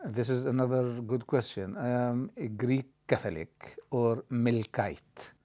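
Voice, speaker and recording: A middle-aged man whose first language is Arabic, answering interview questions in English with many halting pauses. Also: mid-range voice, dark tone. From Israel. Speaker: interview guest, theology dean.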